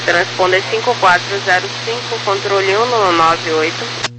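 A woman air traffic controller reading clipped procedural clearances over a crackly, military-style radio. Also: mid-range voice, moderate pace. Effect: radio transmission. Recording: very noisy crackly aviation radio.

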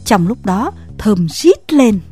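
A woman narrates a story, her voice breathy and husky yet lively in pitch. Gentle music plays faintly behind her reading. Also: slow.

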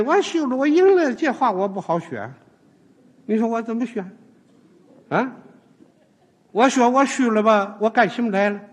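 A brash, bumbling commoner judge, as a storyteller puts him on, talks in a high, husky voice. He boasts and wheedles loudly. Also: exaggerated voice.

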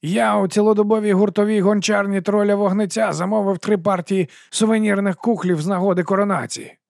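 A man voicing a shifty street vendor who talks in a loud, wheedling sales patter. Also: high voice, gravelly, no echo, clean studio sound, voice pushed up. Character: shifty pushy male street sausage vendor.

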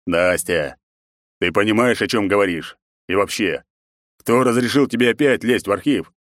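A stern, weary emperor, as a man reading the story voices him, with a commanding, fatherly manner. The voice is low. The sound is close and dry. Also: normal speed, a bit bright, dry recording, lightly acted.

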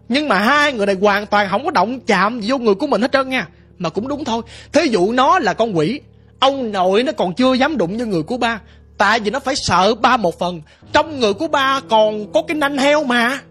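A woman's voice: a little high, a bit bright, slightly rough. A woman narrating a ghost story in first person, vivid and emphatic.

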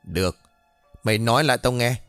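A man voicing a cruel, sharp-tongued older woman who rules a household, in a spoken ghost story. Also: mid-range voice, brisk, dry recording, faint music behind, lightly acted. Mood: menacing. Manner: harsh, sharp-tongued scolding.

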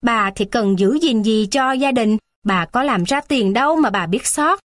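A woman's voice: a little high, expressive, measured pace, dry recording, clean studio sound. A woman voicing a harsh father who talks sharply and scolds. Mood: curt.

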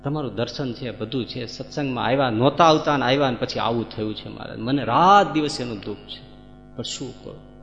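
A tearful devout wife begs humbly for her husband's sake, as a male preacher puts her on in his own voice. Her words come low and soft, from a dull, muffled recording in a big echoey hall with faint music under it. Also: expressive, normal speed, pauses often, close to an everyday voice. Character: grieving devout woman pleading for her husband.

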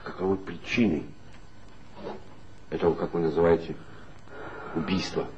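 An actor playing a curt, impatient investigator in a 1960s radio play, asking short, clipped questions. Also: male voice, sits low, fairly even intonation, moderate pace, lightly acted. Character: curt, impatient male investigator pressed for time. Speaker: interrogator. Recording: dull old 1960s radio recording with faint hiss.

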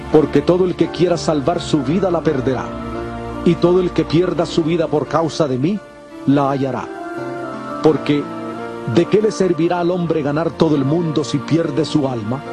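An actor playing Jesus as an authoritative, solemn, declamatory teacher in a dramatized audio Bible. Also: male voice, a little high, close to an everyday voice.

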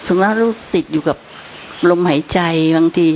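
A woman's voice: low-pitched, normal speed, darkish tone. A woman meditator asking her teacher a question, hesitant and polite, searching for words. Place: meditation retreat hall. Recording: dull sound with faint hiss.

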